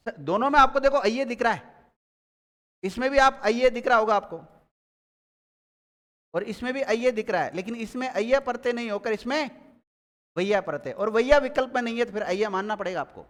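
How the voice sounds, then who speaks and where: A man's voice: sits high, expressive, a little fast, pauses often, fairly bright tone, long reverb tail. A man teaching a grammar class, quizzing his students and repeating key words as they take notes.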